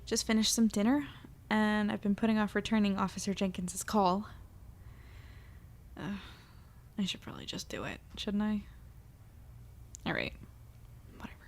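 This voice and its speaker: A woman's voice: medium pitch, expressive, moderate pace, pauses often, natural voice. A woman playing an earnest, slightly awkward young newspaper reporter in a conversational audio drama. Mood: awkward, self-reproaching. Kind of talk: naturalistic audio drama dialogue and narration.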